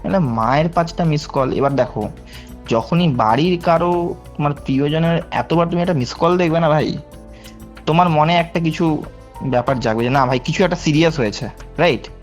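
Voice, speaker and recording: Young guy w chatting thru a spooky story, bit high voice, faint music behind. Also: normal speed. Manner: chatty, keeps checking in with the listener. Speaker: caller sharing a true ghost story. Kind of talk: casual storytelling on a call.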